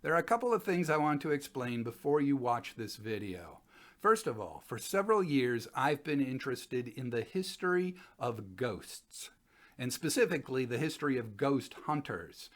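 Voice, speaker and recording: An older man speaks to camera from a room at home. His pitch is middling and his delivery is a casual, conversational explanation, as a presenter would give. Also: big pitch swings, normal speed.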